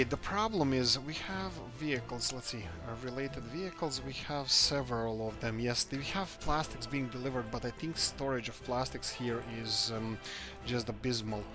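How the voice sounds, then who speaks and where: A man's voice: mid-range voice, normal speed. A man from Croatia, hosting a let's-play game video and thinking aloud as he builds, often searching for words. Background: background music.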